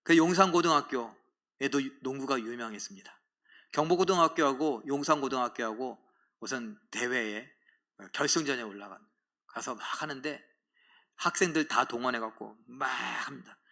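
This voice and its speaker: A middle-aged male pastor preaching a sermon, swinging between loud emphatic outbursts and hushed, whispered asides. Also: mid-range voice, moderate pace.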